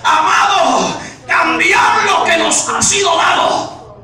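Male pastor, fiery and repetitive, shouting slowly and emphatically across a very echoey church hall. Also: very high voice. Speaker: pastor preaching. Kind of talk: fiery Pentecostal sermon. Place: small church hall, indoors. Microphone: distant camera in the congregation, voice over speakers. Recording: echoey hall from far off, loud crowd and music. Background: congregation responding loudly, music.

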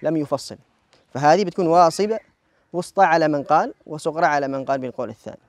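A man examines a contestant on recitation rules, going step by step and repeating key words. His voice sits on the higher side and moves at a brisk clip. The studio sound is dry and close. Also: no room sound. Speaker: Quran recitation judge and examiner.

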